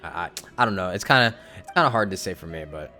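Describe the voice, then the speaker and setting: A young man giving casual, slangy live gameplay commentary, reacting aloud in a halting way. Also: low voice, animated, pushed and bright, faint music behind. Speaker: game streamer.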